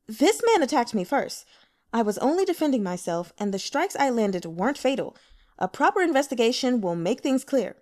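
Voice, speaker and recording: A female reader plays a male broker in a storybook tale, always defending himself. His speech is formal and protesting, raised in pitch with lively swings. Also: normal speed. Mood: indignant. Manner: protesting, formal, stammers when flustered. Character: self-justifying male head broker, polite but indignant.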